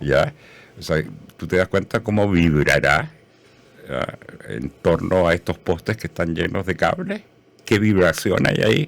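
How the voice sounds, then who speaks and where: A man with a very deep, low voice speaks at a fairly slow pace. His intonation is lively. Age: 70s. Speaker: poet. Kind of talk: interview. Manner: hesitant, many fillers.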